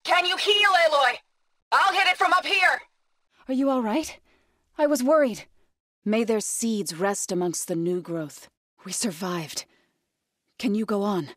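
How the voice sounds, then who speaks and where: An actress playing an earnest, resolute tribal woman warrior and healer in a video game, speaking in measured, formal phrases. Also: fairly high pitch, a bit bright, dry recording, clean studio sound. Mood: urgent battle shouting, then earnest, caring. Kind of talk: game character voice lines.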